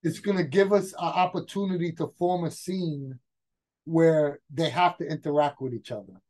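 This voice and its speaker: Excitable New man brainstorming. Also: fairly high pitch, moderate pace, rough recording. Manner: excited, rambling, frequent restarts and laughs. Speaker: guest game master. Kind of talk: casual brainstorming chat.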